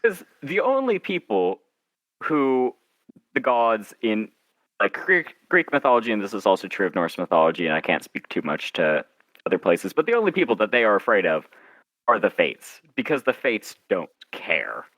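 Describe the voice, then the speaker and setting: Low-voiced man chatting wryly as guest author. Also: sing-song, moderate pace, a bit bright, dry recording, poor audio. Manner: wry, self-deprecating joking. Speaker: guest author discussing own story. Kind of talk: casual interview chat.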